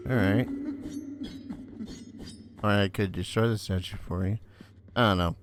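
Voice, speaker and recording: A man's voice: on the low side, fairly even intonation, a little slow, slight background noise. A man giving casual let's play commentary, musing aloud in a dry, mildly irreverent way. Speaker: gaming video host.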